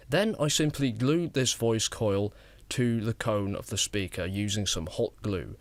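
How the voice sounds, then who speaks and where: A man's voice: on the low side, no room sound. A young man narrating a step-by-step DIY how-to, speaking into a close studio microphone. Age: late teens to young adult. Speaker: DIY maker and presenter. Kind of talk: explanatory how-to voice-over narration. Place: small wood-panelled attic room. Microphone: close studio mic on a boom arm.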